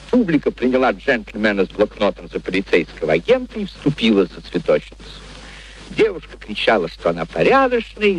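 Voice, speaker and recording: A genial gentleman storyteller, somewhat high in pitch, with sweeping, highly animated intonation. He narrates with amused, courteous curiosity and theatrical expression. It is an old radio play recording with faint noise. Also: low-quality recording.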